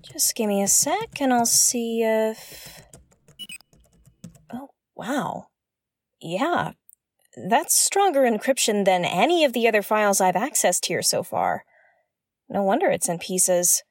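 A woman's voice: fairly high pitch, big pitch swings, slow, pauses often, a little mellow, dry recording, heavily acted. A woman playing a wary, wry investigator aboard a derelict spaceship in an audio drama, speaking hesitantly. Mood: musing. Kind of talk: naturalistic audio drama acting.

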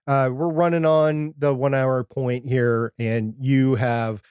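A man with a quiet, slightly muddled voice co-hosting a podcast in casual conversation. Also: medium pitch, level tone, takes it slowly, clear, resonant tone, dry recording, studio quality. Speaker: podcast co-host. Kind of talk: casual chat about audio gear.

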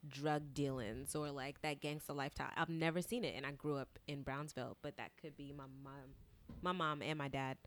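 A young woman from Brooklyn in casual podcast chat, rambling and quick to laugh. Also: sits low, fairly even intonation. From Brooklyn, New York.

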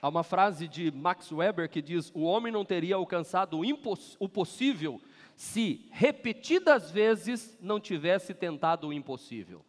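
A Brazilian man preaching a lively sermon as pastor, acting out scenes and leading the congregation to read aloud together. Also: high voice, moderate pace. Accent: Brazilian Portuguese. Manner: animated, acts out scenes and leads congregation in shouting. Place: large church hall. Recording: long church hall reverb.

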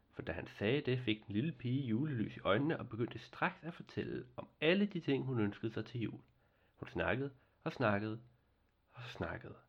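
A man narrating a fairy tale in a calm, measured reading voice as host of a story series. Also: lowish voice, muffled recording.

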